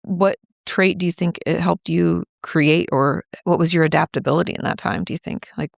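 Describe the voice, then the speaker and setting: Woman podcast host; slightly gravelly, lower register, encouraging interviewer. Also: fairly even intonation, normal speed, no room sound, clean studio sound. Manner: encouraging, asks open questions. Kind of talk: conversational interview.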